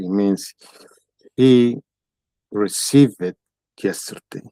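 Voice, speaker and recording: The pace is very slow, in a Spanish accent with ordinary pitch variation. The tone is dark and mellow, and the sound is dry and close with no echo. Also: man. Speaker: Spanish teacher. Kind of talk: tutorial. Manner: halting.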